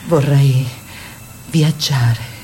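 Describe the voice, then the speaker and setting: An actress in a radio play voicing an anguished woman who survived war rape, dramatic, swinging between shrill cries and low murmurs. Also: steady tone, extremely slow, darkish tone, slight background noise, exaggerated voice. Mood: numb, longing. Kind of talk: theatrical radio play monologue.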